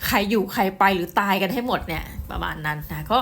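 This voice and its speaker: A middle-aged woman giving a casual book review, chatty and excitable, often speaking straight to her viewers. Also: medium pitch, quick pace, slightly rough. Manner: chatty, addresses viewers directly, excitable storytelling.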